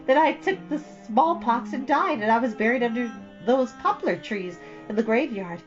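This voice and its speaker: A woman's voice: a little high, expressive, normal speed, voice pushed up, lightly acted. A woman puts on a chatty young girl with a head full of fancies, spilling dramatic tales in long breathless runs. The voice rises and falls a lot. It is a slightly dull storybook recording with faint music in the background. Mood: gushing. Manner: breathless, run-on storytelling, theatrical.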